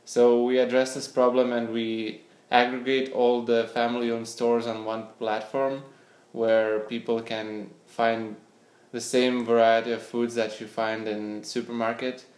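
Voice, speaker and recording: A man's voice: mid-range voice, little pitch movement, a little slow, darkish tone. A young man from Lithuania, answering interview questions hesitantly, often repeating words as he searches for them. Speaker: interview guest, scientist and startup founder. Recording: echoey room.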